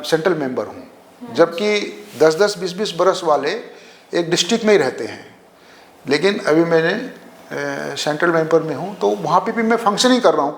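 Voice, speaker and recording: An older man speaking as a guest in an interview, telling stories in a relaxed way and often checking in with "isn't it?". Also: fairly high pitch. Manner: relaxed storytelling, frequent "है ना?" tags. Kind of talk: conversational interview. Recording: echoey room with faint noise.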